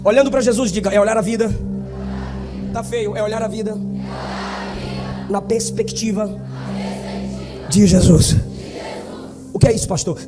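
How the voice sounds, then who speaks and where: A man preaching a sermon as a pastor, swinging from quiet talk to loud shouted climaxes and acting out little dialogues. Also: sits high, steady tone, moderate pace, pauses often, music in the background.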